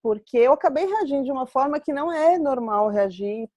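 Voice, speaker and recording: High-voiced Brazilian woman hosting a webinar. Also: animated, brisk, mellow, dry recording. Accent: Brazilian Portuguese. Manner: earnest, explanatory, personal examples. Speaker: webinar host. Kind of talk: reflective live webinar talk.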